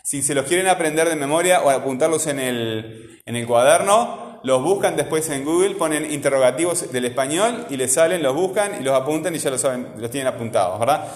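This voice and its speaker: A man teaches a class, patiently asking questions and repeating the main points. His voice sits a bit high for a man. It rings around a classroom with a long, echoey tail. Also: a little fast. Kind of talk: classroom grammar lesson. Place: classroom with a voice-bouncing echo.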